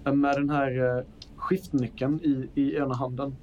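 A man's voice: mid-range voice, level tone, muffled recording, slight background noise. A man narrating as the game master of a tabletop role-playing game, in loose, chatty narration with fillers.

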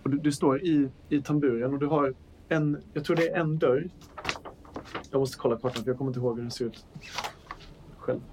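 A man's voice: mid-range voice, steady tone, long pauses, background noise. A man narrating as the game master of a tabletop role-playing game, in loose, chatty narration with fillers.

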